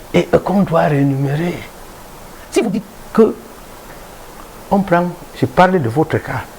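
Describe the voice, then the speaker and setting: A man's high voice at a fairly slow pace, animated in tone with lively intonation, long, frequent pauses, and noticeable background noise. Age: 60s. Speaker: opposition politician. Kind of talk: televised political interview. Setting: TV studio. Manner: animated, halting with repetitions.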